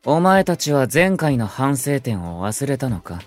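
A man's voice: mid-range voice, very animated, measured pace, dry recording, soft background music. An actor playing a stern, proud, aloof young male idol in a Japanese voice drama, with curt, formal and haughty speech. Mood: proud, severe. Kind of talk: Japanese anime-style voice drama acting.

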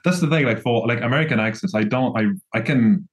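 With a medium-pitched voice and a brisk delivery, a young French guest speaks in a French accent during a casual conversation. He wanders in his talk, frequently restarting and filling gaps.

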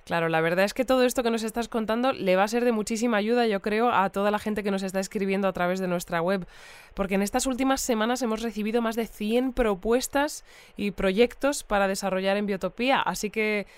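Smooth-voiced actress as a polite radio interviewer. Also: female voice, medium pitch, a little fast, no echo, lightly acted. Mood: polite, attentive. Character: polite female radio interviewer in a futuristic community. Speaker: interviewer reading listeners' messages. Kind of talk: conversational radio interview, reading messages aloud.

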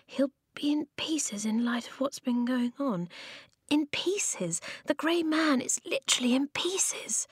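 A woman voicing an earnest young girl in a children's audiobook, her voice faded to a breathy, forced whisper. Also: high-pitched, expressive, slow, no echo, clean studio sound, voice pushed up. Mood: hushed realization. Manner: hushed, earnest, straining to be heard.

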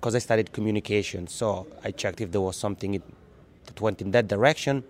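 A somewhat low-voiced man with a Swiss Italian accent, Italian being his first language, talks casually as a guest on a podcast interview. He is lively and laughs easily, and sometimes repeats a word as he restarts a thought. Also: quick pace, a little hiss or hum. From Italian-speaking Switzerland.

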